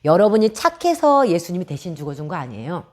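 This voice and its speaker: A woman's voice: on the low side, very animated, fast. A woman preaching a children's sermon, telling a story and asking the children questions.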